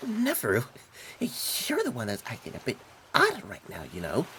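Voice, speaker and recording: With clear background noise behind it, a put-on character voice speaks at a moderate pace in a nervous tone. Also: man, fairly high pitch for a man. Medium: read story. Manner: nervous, stammering.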